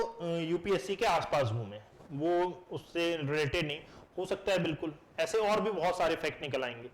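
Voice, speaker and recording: A man with a high voice teaches a class, keeping things lively and firing questions at his students. The sound comes back off the walls of an echoey classroom. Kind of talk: classroom lecture.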